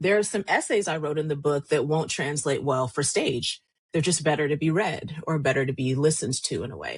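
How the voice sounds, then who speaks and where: A woman speaks with a very deep, low pitch and a somewhat breathy quality. She moves at a fairly quick pace with ordinary pitch variation. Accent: American. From US South. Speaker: author and spoken word poet. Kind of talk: interview conversation.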